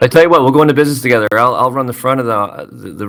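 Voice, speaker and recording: Music plays in the background behind an American accent. The pace is very fast, with ordinary pitch variation. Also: man. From United States. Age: 50s. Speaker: podcast co-host, entrepreneur. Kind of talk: casual chat.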